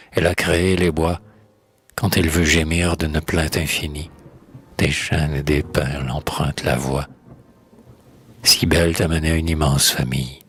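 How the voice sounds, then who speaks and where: A man with a husky voice recites poetry in a solemn, declamatory, elegiac manner, with measured phrasing. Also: rumbling low, a bit bright. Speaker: poetry reader.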